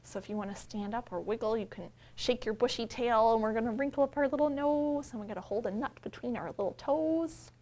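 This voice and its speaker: Woman, children's librarian. High voice, simple child-directed talk, storytime read-aloud with drawn-out emphasis. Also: darkish tone. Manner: simple explanations, questions and invitations addressed to young children.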